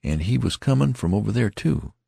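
A man's voice: lowish voice, lively intonation, fairly quick, vocal fry, warm tone, slightly rough, dry recording, clean studio sound, voice pushed up, exaggerated voice. A man voicing an anxious young soldier who asks urgent, startled questions. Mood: puzzled.

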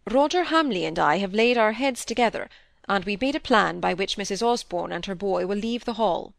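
A woman reading aloud, voicing a calm, dutiful middle-aged country doctor who speaks in a measured way. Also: medium pitch, creaky, no room sound, studio quality. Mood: pleased.

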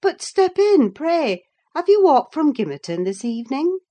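A woman voicing a brisk, kindly middle-aged housekeeper, speaking higher and livelier than her narration in a storybook reading. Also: big pitch swings, warm tone. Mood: welcoming.

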